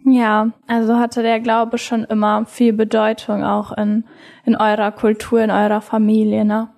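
Host: woman, slightly high voice, unhurried and steady, gentle interviewer. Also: gravelly. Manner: gentle, encouraging questions. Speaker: podcast interviewer. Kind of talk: casual interview chat.

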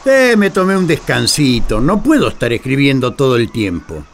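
An actor with an Argentine accent playing Paul the apostle, a weary, tender carpet weaver, in a radio drama. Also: male voice, mid-range voice, wildly swooping pitch, normal speed, vocal fry, a little hiss or hum. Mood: playfully grumbling.

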